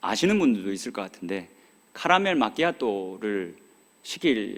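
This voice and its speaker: The speaker is a man with a fairly low pitch. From South Korea, Busan. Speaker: pastor. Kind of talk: sermon. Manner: animated.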